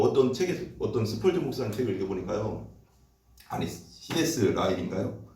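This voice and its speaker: An echoey recording of a male pastor preaching a little way off the mic in a church sanctuary. He talks in a relaxed, conversational way, sometimes slipping into the voices of animals. His pitch sits in the middle range. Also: recorded from a distance. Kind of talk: sermon.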